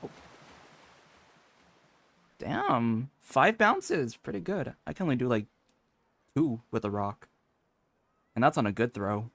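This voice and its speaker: A man's voice: mid-range voice, very animated, takes it slowly, creaky, long pauses, fairly bright tone, no echo. A man giving casual, off-the-cuff live commentary as he streams a game.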